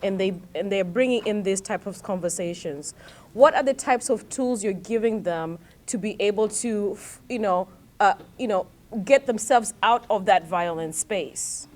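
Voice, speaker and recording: A woman leads a seminar panel discussion. She sums up what she has heard and follows with careful questions, in a voice of ordinary pitch. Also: normal speed. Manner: summarizing, probing questions. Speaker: moderator. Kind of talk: panel moderation. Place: seminar hall.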